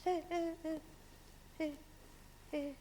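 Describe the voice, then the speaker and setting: Woman doing Little Red Riding Hood, stammering and high. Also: flat delivery, very slow, warm tone, heavily acted. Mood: flustered. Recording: long hall reverb.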